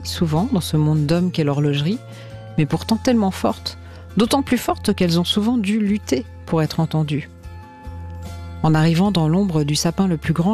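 Calm woman narrating a radio portrait. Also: low voice. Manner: calm, measured storytelling.

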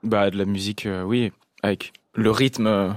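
A man's voice: fairly low pitch, steady tone, normal speed, no echo, studio quality. A French-born man, a jazz musician, answering interview questions thoughtfully with many hesitations. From France.

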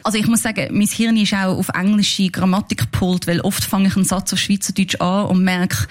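A woman's voice: medium pitch, flat delivery, fairly quick. Chatty Swiss woman comedian. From German-speaking Switzerland. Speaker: stage comedian. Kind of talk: stand-up storytelling. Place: stage before a live audience.

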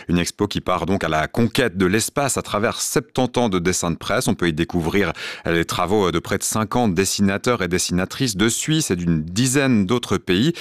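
Swiss French male presenter, very deep, dry close mic. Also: dry recording. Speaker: radio presenter. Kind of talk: news presenting.

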